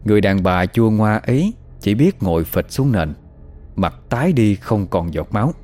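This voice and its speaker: A man narrating a horror story in a slow, measured storytelling voice. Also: on the low side, big pitch swings, a little mellow, soft background music.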